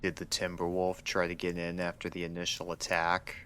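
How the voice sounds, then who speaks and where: Man playing a deep, detached pony doctor. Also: brisk, clear, resonant tone. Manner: flat, detached questioning. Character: clinical, uncaring male pony doctor, probing and detached. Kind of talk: dramatic fan fiction audio reading.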